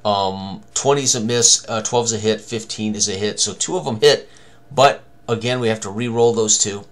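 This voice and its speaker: Thinking out loud about rolls and tallies in brief running remarks, an older man presents a tabletop game tutorial from his computer in a small room. He speaks at a normal speed in a voice on the low side.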